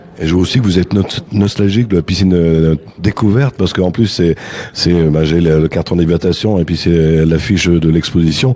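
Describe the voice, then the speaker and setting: Noticeable background noise sits under a man whose very deep, low voice holds a very even loudness. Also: ordinary pitch variation, fairly quick pace. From northern France, Caudry (Nord). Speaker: web TV reporter. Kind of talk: interview. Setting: library attic at exhibition opening.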